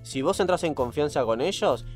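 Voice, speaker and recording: A young man speaking with a Rioplatense accent spins stories in a casual, slang-heavy chat, laughing easily as he goes. His voice sits a bit high for a man. Faint music plays underneath. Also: moderate pace. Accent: Rioplatense Spanish. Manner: animated storyteller, slangy, laughs often.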